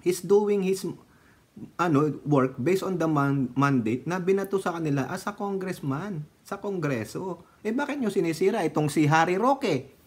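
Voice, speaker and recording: A Filipino man giving casual political commentary, chatty and teasing, laughing often and dropping from loud remarks to low asides. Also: expressive, normal speed. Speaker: political vlogger.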